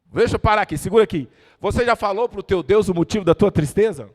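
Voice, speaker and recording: A man with a Brazilian accent preaching a fervent Pentecostal sermon, swelling to shouts and calling on the congregation. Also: high voice, quick pace. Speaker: evangelist preacher. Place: church service hall. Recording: echoey church hall.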